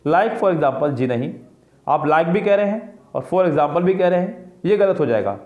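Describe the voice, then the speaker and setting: A man's voice: a little high, animated, measured pace. A man teaching an exam-prep grammar lesson, explaining each answer step by step and repeating his own questions and answers. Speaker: English teacher. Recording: roomy, dull lo-fi sound.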